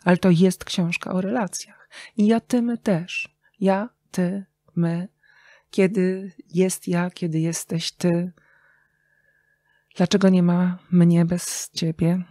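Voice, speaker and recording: A woman speaking as an interview guest, reflective and conversational, with thoughtful, halting phrasing and pauses. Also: fairly low pitch, fairly even intonation, warm tone, no room sound. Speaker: interview guest, writer and radio journalist.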